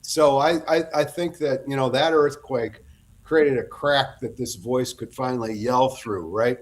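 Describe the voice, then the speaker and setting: A man's voice: medium pitch, fairly even intonation, unhurried. A middle-aged man, a guest author, telling long rambling anecdotes in a casual interview and often breaking off to restart.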